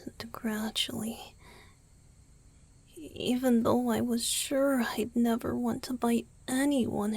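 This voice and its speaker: Woman as a slow, whispering, wistful vampire boyfriend. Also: a little high, a little mellow, heavily acted. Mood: tender, confessional. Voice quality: breathy, whispery. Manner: hesitant, tender, confessional, with halting pauses. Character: gentle, wistful, guilt-ridden young male vampire boyfriend. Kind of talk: ASMR roleplay, intimate whispered monologue.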